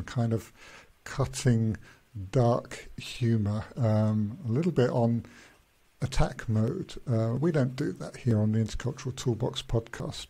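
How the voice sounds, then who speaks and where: Gravelly, dark-voiced podcast host. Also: male voice, mid-range voice. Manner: curious, asks open questions. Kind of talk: casual interview chat.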